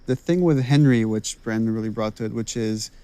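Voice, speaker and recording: A man giving casual commentary, quickly explaining what drives each character. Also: lowish voice, warm tone, smooth.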